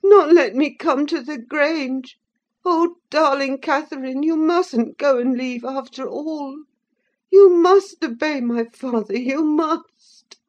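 A woman's voice: fairly high pitch, unhurried, dull audio, voice pushed up, lightly acted. A woman voicing a sickly, selfish boy with a whiny, petulant manner. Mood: whining.

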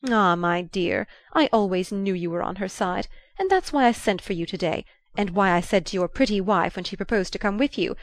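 A woman voicing a shrewd, commanding old grandmother who talks in a lively, imperious way. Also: mid-range voice, brisk, hardly any pauses, no room sound, natural voice. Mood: insistent.

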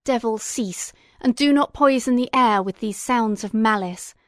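A woman's voice: on the high side, measured pace, no room sound, studio quality, close to an everyday voice. A woman voicing a defiant furious young scientist. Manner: forceful, indignant. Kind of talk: audiobook reading.

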